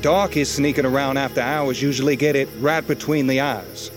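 Brief: actor doing a cold commanding slave master, threatening, over a loud music bed. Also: male voice, medium pitch, moderate pace, close to an everyday voice. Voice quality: menacing, commanding. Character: menacing plantation master, armed and cruel. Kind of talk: audio drama acting.

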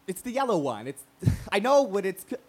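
An actor playing a brash, wounded, proud gay radio talk show host in an emphatic, profane, theatrical monologue. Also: male voice, sits high, big pitch swings, brisk, husky, exaggerated voice. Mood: wry, rambling.

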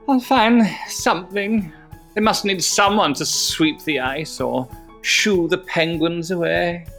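A woman's voice: lowish voice, slow, fairly bright tone, faint music behind. An actress playing an earnest, resolute young woman in a comedic radio play, with melodramatic declarations. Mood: wistful.

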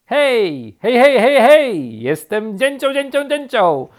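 A woman voicing a loud, exuberantly happy male woodpecker in a storybook, excitedly repeating words. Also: a little high, slow pace, voice pushed up. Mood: gleeful. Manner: excited, repetitive, cackling.

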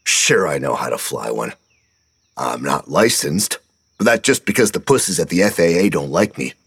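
A man voicing a crude, foul-mouthed older scout leader with a gruff, low voice. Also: expressive, moderate pace, a bit bright, heavily acted.

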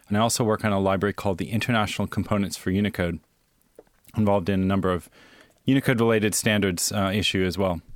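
American guy guesting on a podcast, lowish voice, casual explaining, no room sound. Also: no echo, clean studio sound.

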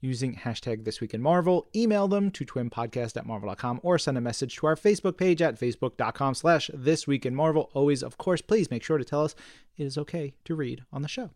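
A man co-hosting a podcast in casual chat, playful and animated as he reads out listener messages on a studio mic. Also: mid-range voice, brisk, dry recording. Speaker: podcast co-host.

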